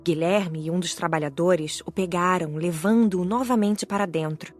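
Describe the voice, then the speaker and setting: A woman's voice: fairly low pitch, moderate pace, faint music behind. A woman with a Brazilian accent reading a first-person book as an audiobook narrator.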